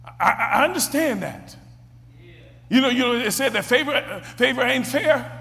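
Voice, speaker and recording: A man preaching a sermon, who stumbles over and repeats words and builds up to shouted exclamations. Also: very high-pitched, animated, normal speed, vocal fry, big-room sound.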